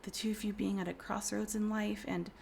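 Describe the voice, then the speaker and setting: Hoarse woman in her 30s, gravelly, mellow-toned, soft whispery delivery, casual tarot reader, faint background hiss. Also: mid-range voice, level tone, fairly quick. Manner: soft, often whispery, rambling with fillers. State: hoarse from a cold. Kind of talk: casual pick-a-card tarot reading.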